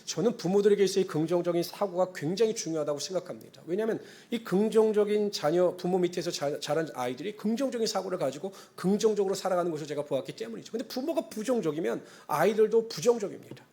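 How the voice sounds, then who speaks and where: A man with a rather high voice preaches a Sunday sermon as pastor. He moves between earnest, formal blessing phrases and relaxed, conversational asides to the congregation. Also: fast, few pauses. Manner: conversational asides and acted-out quotes.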